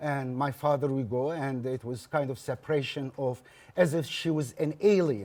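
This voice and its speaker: With a Kurdish accent, a man speaks at a moderate pace and a fairly high pitch, showing ordinary pitch variation. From Turkey, eastern town, raised in Istanbul. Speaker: philosophy professor. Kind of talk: public talk. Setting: library event with audience. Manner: halting.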